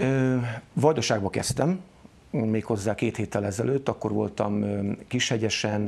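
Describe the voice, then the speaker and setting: A man speaks in a normal speaking voice with a fairly low pitch. His pace is fairly slow, with ordinary pitch variation. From Hungary, Kunszentmiklós; Hungary. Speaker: poetry reciter and former teacher; poetry reciter, former teacher. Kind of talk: interview. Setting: studio. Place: studio. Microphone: lapel.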